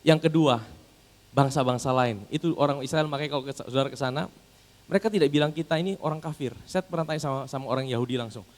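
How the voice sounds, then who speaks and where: A man's voice: medium pitch, fast, darkish tone. A man preaching a sermon as pastor, calling the congregation brothers and sisters and posing questions that he answers himself. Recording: long hall reverb.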